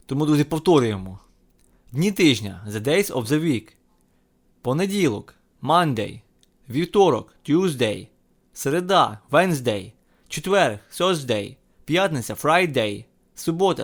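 A man with a Ukrainian accent teaching an English lesson, patiently repeating each word twice for students to say aloud. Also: mid-range voice. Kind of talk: language lesson, repeat-after-me drill.

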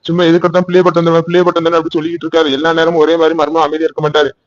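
A stern middle-aged village father from a cartoon, voiced by a man, reproachful and lecturing. He speaks very fast with a Tirunelveli Tamil accent. The voice is fairly high, on a dull, dry lo-fi track. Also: completely flat delivery, no room sound, lightly acted.

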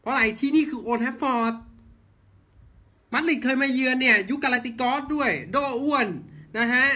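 A man's voice: very high-pitched, steady tone, brisk, sharp tone. A man ranting blunt football commentary, heated and swearing, firing off rhetorical questions. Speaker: football fan channel host.

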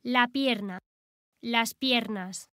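Slow, careful woman reading for learners. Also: a little high, a bit bright, no room sound, studio quality. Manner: clear, careful, deliberate enunciation. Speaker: language teacher.

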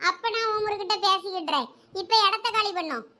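A woman with a Thoothukudi Tamil accent acting in a village comedy drama, talking in a sharp, scolding way. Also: very high voice, brisk. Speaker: mother and wife in a village sketch.

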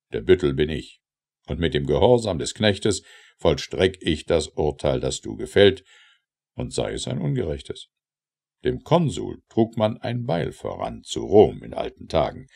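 Male audiobook narrator for satirical verse: low, creaky voice, declamatory and theatrical delivery. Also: darkish tone. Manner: theatrical, declamatory, measured phrasing with pauses. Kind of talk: dramatic recitation of satirical verse.

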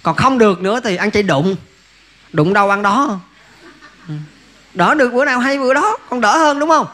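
A man's voice: extremely high pitch, lively intonation, moderate pace, sharp tone. A man, a monk giving a folksy dharma talk that keeps asking listeners rhetorical questions. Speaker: Buddhist monk teacher.

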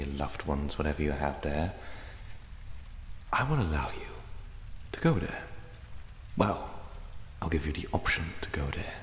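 A man's voice: extremely low pitch, darkish tone. A man playing a possessive, menacing cat demon in an ASMR roleplay, taunting with mock affection. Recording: echoey hall reverb, clear background noise. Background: ambient sound effects.

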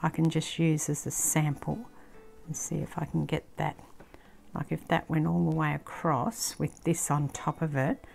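An older woman with an Australian accent, casually thinking aloud as she works on a craft project, sometimes dropping into a soft near-whisper. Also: low-pitched, level tone, moderate pace, vocal fry, faint music behind. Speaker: craft channel host. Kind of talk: casual craft-along commentary. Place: indoor craft table, filmed from overhead.

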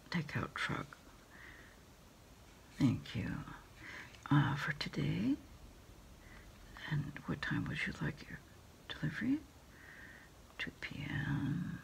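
A middle-aged woman in a quiet ASMR roleplay as an order taker, murmuring in a halting, breathy whisper. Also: low voice. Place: small indoor room at a desk.

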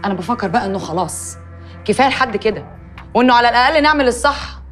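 A woman's voice: on the high side, expressive, quick pace, fairly bright tone. An actress playing a stern woman who scolds and lectures her relatives with an Egyptian accent. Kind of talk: TV drama acting. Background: music.

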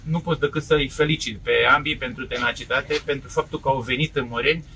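A man's voice: mid-range voice, steady tone, sharp tone, slight background noise, poor audio. A man giving formal congratulatory remarks at a public event.

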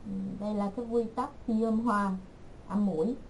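A woman teaching an online language class, repeating words slowly and patiently for her learners. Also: mid-range voice, steady tone, a little mellow, a little hiss or hum, rough recording.

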